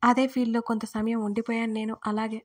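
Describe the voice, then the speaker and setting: A woman's voice: on the high side, little pitch movement, fairly quick, a little mellow. A young adult woman telling a romantic audio story in the first person, in an intimate, emotional narrating voice.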